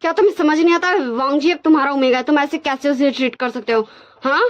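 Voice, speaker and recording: A woman's voice: sits high, moderate pace, voice pushed up, close to an everyday voice. A woman voicing a stern, middle-aged mother who scolds her son, in a dull lo-fi recording. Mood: scolding.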